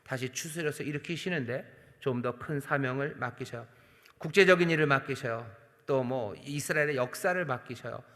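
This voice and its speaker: A male pastor preaches at a Friday night prayer service, speaking straight to the congregation. His voice sits at an ordinary middle pitch and moves between forceful emphasis and quiet, drawn-out phrases. Everything rings with the long reverb of a large church sanctuary. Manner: earnest preaching with emphatic swells and soft drops; addresses the congregation directly and voices God's questions. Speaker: senior pastor.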